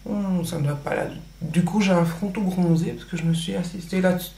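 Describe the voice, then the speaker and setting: A woman's voice: lowish voice, steady tone, fairly quick, creaky, warm tone. Woman, Belgian French accent, native Dutch speaker, casual rambling chat, roomy echo. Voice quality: chatty, many fillers and restarts. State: pregnant. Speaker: vlogger. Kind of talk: casual chat while doing makeup.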